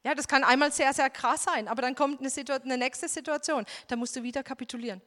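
A woman preaches with earnest emphasis and keeps filling pauses with a soft "ja." Her voice sits somewhat high. A long hall reverb trails every phrase, as if she were recorded in a large church room. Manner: earnest, emphatic, many "ja" fillers. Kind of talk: sermon with personal testimony.

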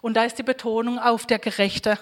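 A woman giving an earnest sermon, reading scripture aloud slowly and exhorting her listeners. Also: fairly high pitch, flat delivery. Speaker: preacher. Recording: long hall reverb.

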